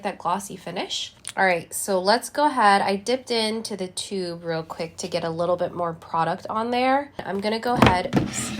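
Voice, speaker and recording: A young woman vlogging a casual lipstick review, chatting to viewers as she swatches and applies, a little congested from a cold. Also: medium pitch. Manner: chatty, talks to viewers while applying lipstick. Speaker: beauty vlogger.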